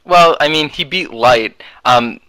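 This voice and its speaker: Bright-voiced young man casting games. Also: fairly high pitch, takes it slowly, no echo, poor audio. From United States. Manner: rambling, hedging, many fillers. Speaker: esports commentator. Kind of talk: casual game commentary.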